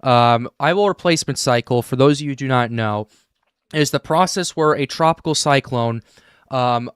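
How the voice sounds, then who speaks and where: A man hosting a live weather stream, talking in halting bursts with many restarts. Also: mid-range voice, clean tone, no room sound, studio quality. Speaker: livestream host.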